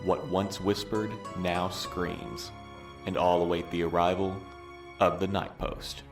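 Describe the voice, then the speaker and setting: A low, flat-toned male narrator played by an actor for an audio drama, brooding and ominous. He sounds set back from the mic, under prominent music. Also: takes it slowly. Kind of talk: scripted dramatic intro narration. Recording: distant voice under loud music.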